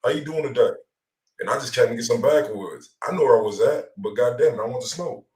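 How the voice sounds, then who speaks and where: A man's voice: mid-range voice, fast talker, darkish tone. A man, hosting an online show in casual, slang-heavy chat. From Los Angeles area. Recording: roomy echo, far from mic.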